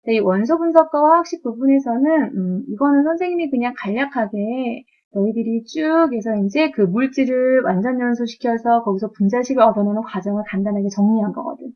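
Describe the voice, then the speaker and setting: A woman's voice: fairly high pitch, brisk, few pauses, highs cut off. A woman chemistry teacher giving a live lecture to students in a classroom, chatty and always checking in with them.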